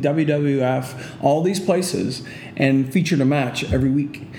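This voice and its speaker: Speaking at a fairly slow pace, a man with a fairly high pitch and ordinary pitch variation is heard with audible room echo and noticeable background noise. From New Brunswick, Canada. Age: 40s. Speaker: pro wrestler and wrestling trainer. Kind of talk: casual interview chat. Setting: at a live wrestling event.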